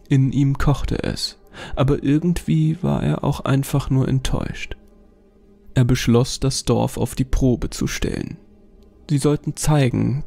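A man narrating a scripted horror story in a measured, steady way. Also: mid-range voice, creaky. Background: faint music.

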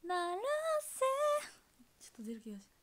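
A young woman chatting casually with viewers on a livestream, bubbly and quick to giggle. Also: fairly high pitch, expressive, slight background noise. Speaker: idol livestreamer.

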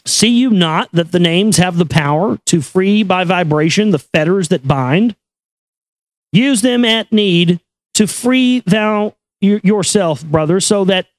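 A man giving a solemn, measured reading of an esoteric text in an incantatory, deliberate manner. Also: high voice, expressive, no room sound. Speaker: reader and commentator. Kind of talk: solemn recitation of an esoteric text with brief asides.

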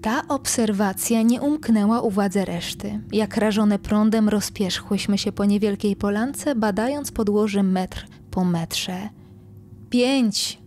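A young woman narrating a horror tale in a slow, hushed voice that often sinks to a whisper. Her tone is dark and mellow, with a middle pitch. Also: a little hiss or hum. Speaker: podcast host reading her own story. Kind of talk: scripted horror story narration.

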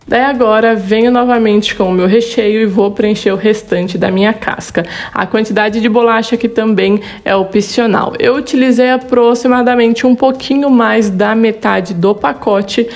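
A Brazilian woman in her thirties hosts a home cooking tutorial with a slightly high voice. She explains each step in a friendly, chatty way and checks in with her viewers as she goes. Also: steady tone, normal speed, hardly any pauses, a little mellow. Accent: Brazilian Portuguese. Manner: friendly, chatty, repeats "tá bom?". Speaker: cooking channel host. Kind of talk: recipe tutorial with voice-over. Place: home kitchen studio for the intro.

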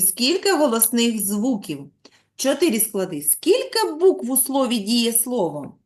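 A woman teacher with a fairly high, very lively voice leads a lesson for young pupils. She stretches words out slowly and sounds out letters and syllables one at a time, then asks patient questions to draw out answers. Her voice rises and falls a great deal as she teaches. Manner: drawn-out, slow dictation, sounding out letters and syllables. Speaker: primary school teacher. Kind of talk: online lesson for young children.

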